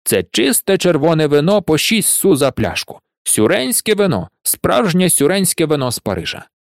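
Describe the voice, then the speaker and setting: A man's voice: big pitch swings, moderate pace, gravelly, no room sound, clean studio sound. A man doing a wheedling old peasant gravedigger. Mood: cajoling. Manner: cajoling, higher and louder than the narration. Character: old cunning peasant gravedigger, chatty, pleading.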